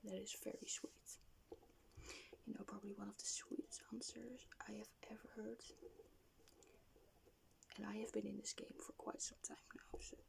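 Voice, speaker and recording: A woman whispering softly in an ASMR therapist roleplay, breathy and creaky, gently and hesitantly asking questions. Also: medium pitch, level tone, normal speed, long pauses, rough recording.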